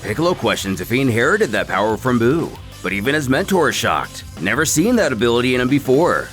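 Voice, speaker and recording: Animated man narrating over music. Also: medium pitch, brisk. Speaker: narrator of a fan comic recap series. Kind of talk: scripted recap narration.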